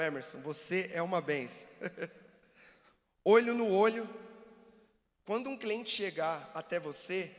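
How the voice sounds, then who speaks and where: A man giving an animated, joking church seminar talk and acting out examples for the audience. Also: on the high side. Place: church hall. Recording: long reverb of a church hall.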